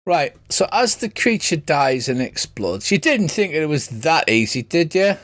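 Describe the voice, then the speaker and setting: A man's voice: a little high, big pitch swings, measured pace, fairly bright tone, no echo, clean studio sound. Man running a tabletop game, conversational. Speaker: game master. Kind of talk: narrating a tabletop game, casual.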